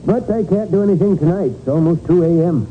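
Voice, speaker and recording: Man playing a high-voiced, grumbling radio police chief. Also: fast, close to an everyday voice. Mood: doubtful. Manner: folksy, hesitant, grumbling. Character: tired, grudging small-town male police chief. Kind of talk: 1940s radio crime drama acting. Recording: narrow, noisy 1940s radio recording.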